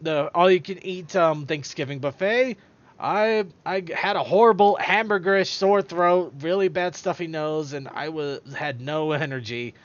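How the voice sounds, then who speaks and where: A man's voice: fairly high pitch, a little slow, dull audio. A man hosting a podcast in casual chat, rambling and stumbling over his words as he goes. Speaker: podcast host.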